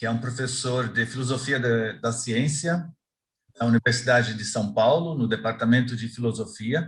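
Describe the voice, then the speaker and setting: With a Spanish accent, a man speaks at a moderate pace in a somewhat breathy, medium-pitched voice with fairly even intonation. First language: Spanish (speaking Portuguese). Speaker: event moderator. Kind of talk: speaker introduction.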